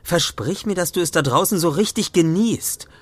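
An actor playing a hearty, encouraging friend and fellow patient in a horror radio play, chummy and urging. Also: male voice, high-pitched, normal speed, a bit bright, slightly rough, dry recording. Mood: encouraging, warm. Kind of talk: German horror audio drama acting.

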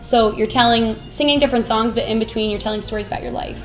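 A young woman talks casually as an interview guest, her voice sitting on the higher side. She chats in a loose, giggly way, full of likes and fillers. Faint music plays in the background. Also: fast. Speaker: singer-songwriter and actor, guest.

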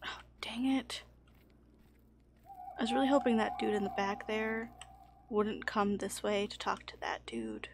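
A woman's voice: mid-range voice, animated, unhurried, pauses often, a little hiss or hum. A woman hosting a let's play, joking wryly and often dropping into a half-whisper while her character sneaks. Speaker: gaming channel host.

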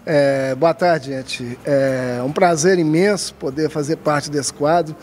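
Hesitant mineiro guy, kinda high voice, gravelly, talking into a handheld mic in a shop, faint noise behind. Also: fairly even intonation, takes it slowly, a little mellow. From Brazil, Minas Gerais. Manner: hesitant, many fillers and restarts. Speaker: woodcarving artisan, guest. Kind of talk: casual interview answers. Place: craft shop, indoors. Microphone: handheld mic held by interviewer.

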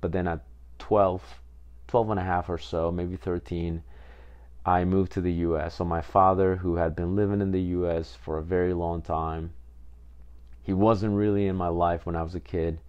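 Deep, flat-voiced man from Peru. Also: moderate pace, clear, resonant tone, lo-fi sound. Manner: rambling, many fillers and repeats. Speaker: podcast host. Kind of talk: casual personal storytelling.

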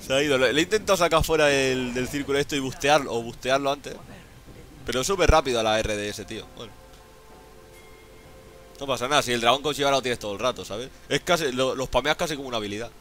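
A man giving excited gameplay commentary as a streamer, exclaiming, laughing and swearing often. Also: medium pitch, fast, soft background music. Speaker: gaming streamer.

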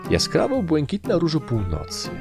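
A man's voice: on the high side, huge pitch swings, normal speed, vocal fry, music in the background, pitched above the performer's own voice, full character voice. A man voicing a cocky little male sprite, a confident and grandiose sweet-talker in an audiobook. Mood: wheedling flattery. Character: small male kobold-like sprite, cocky, scheming, sweet-talking. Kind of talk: audiobook character acting.

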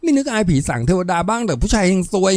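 Man putting on a high-pitched plaintive young woman. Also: sing-song, quick pace, a little mellow, dry recording. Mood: indignant. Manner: wheedling, plaintive, indignant. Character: young, poor, pleading female prostitute, a mother.

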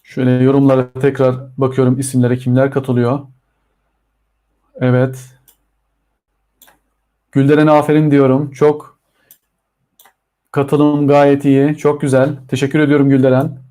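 A man with a Turkish accent teaching a live online English lesson to children, drawing out model phrases slowly. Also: medium pitch, little pitch movement, dark tone.

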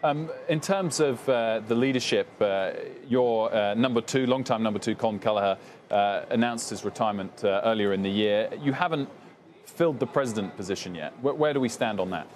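A young male TV business anchor asking brisk, probing questions in an interview on a trading floor. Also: on the low side, slight background noise. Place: trading floor TV studio, indoors.

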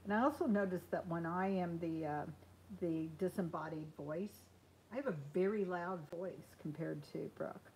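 A woman's voice: on the low side, moderate pace, a little mellow, a little hiss or hum, rough recording. Chatty woman in her sixties sewing. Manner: chatty, frequent ums and restarts. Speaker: host sewing live. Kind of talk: casual live Q&A while hand sewing. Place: small sewing room indoors.

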